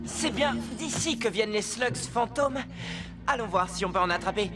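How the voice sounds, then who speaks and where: A man's voice: high-pitched, animated, moderate pace, over music. A man voicing a cheerful, adventurous teenage boy hero in a dubbed cartoon, confident and breezy. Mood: eager. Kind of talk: animated cartoon dub acting.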